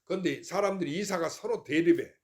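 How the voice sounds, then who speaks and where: An older male monk with a somewhat high voice delivers an informal temple sermon. He keeps it folksy and rhetorical, checking again and again that his listeners have understood. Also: fairly quick. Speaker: Buddhist monk giving a Dharma talk.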